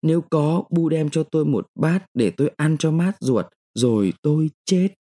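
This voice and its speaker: A man's voice: fairly high pitch, expressive, moderate pace, mellow. A man doing a dying husband, strained and pleading. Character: dying young peasant husband, weak and choked.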